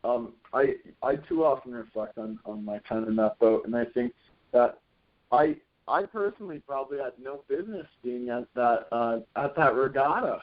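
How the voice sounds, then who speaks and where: A young man speaks in a thoughtful, measured way at a mid-range pitch, often circling back to restart his phrases. The audio is dull and lo-fi. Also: lively intonation. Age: 20s. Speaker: guest, rowing team captain. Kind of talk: casual interview answers.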